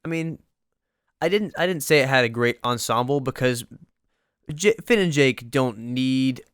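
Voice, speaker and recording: An excitable young man co-hosting a podcast, tripping over his words and circling back as he talks. His voice sounds smooth and clear, recorded close and dry with no room around it. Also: a little slow, dry recording. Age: young adult. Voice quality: higher voice. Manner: excitable, rambling with many restarts. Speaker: podcast co-host. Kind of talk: casual chat.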